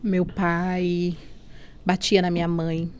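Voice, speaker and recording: A woman's voice: lowish voice, completely flat delivery, slow pace, darkish tone, slight background noise. A woman from Brazil telling her personal faith testimony as a podcast guest, earnest and emotional, often adding "né?". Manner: earnest, often adds "né?" and "assim".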